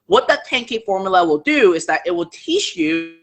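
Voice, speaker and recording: Host, male, second-language English, bright forceful tone, earnest sales pitch with steady check-ins. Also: moderate pace, creaky. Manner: earnest, persuasive, keeps checking in with "okay?". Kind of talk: live online business Q&A pitch.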